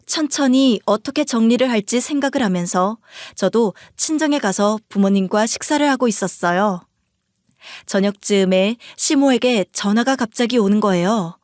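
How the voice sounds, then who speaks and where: A woman recounts her own story in first person with a steady, plain delivery. Her voice sits a little high for a woman. The recording is dry and close, with no room sound. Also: normal speed, no room sound.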